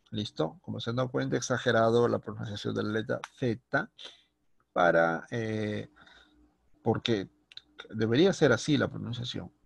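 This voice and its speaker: A man's voice: mid-range voice, creaky, slightly rough, no room sound. A man with a Latin American Spanish accent teaching a spelling lesson, reading out example words and often checking in with his class. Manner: lists example words slowly, stressing the sounds. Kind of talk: recorded online spelling lesson.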